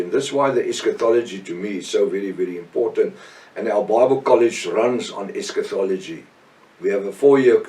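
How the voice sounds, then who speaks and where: A middle-aged man, a native Afrikaans speaker with a South African accent, preaches a Bible lesson off the cuff in short, halting, emphatic phrases with repetition. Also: on the low side, darkish tone. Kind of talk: extemporaneous Bible teaching sermon. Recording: echoey room, distant microphone.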